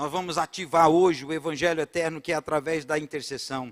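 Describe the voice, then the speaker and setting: A man's animated, high-pitched voice at a moderate pace. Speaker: preacher. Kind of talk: sermon.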